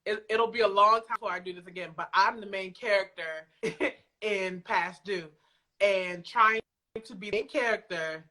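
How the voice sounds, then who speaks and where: A woman's voice: medium pitch, moderate pace, pushed and bright. A woman chatting as an interview guest, speaking in an emphatic, playful, slangy way. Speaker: guest, audio drama creator. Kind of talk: casual conversational interview.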